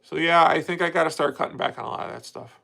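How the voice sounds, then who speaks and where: Gravelly-voiced man in his thirties. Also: fairly high pitch, fast, bright, forceful tone. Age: 30s. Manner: rambling, candid, frequent restarts. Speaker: livestream host. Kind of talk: casual livestream chat reading comments.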